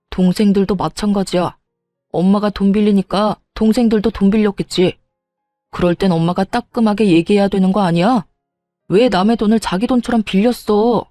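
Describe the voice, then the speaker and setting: A woman's voice: mid-range voice, mellow, no echo, clean studio sound, close to an everyday voice. A woman voicing a hot-headed grown son who whines and blames his mother in a storybook reading. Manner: whiny, exasperated.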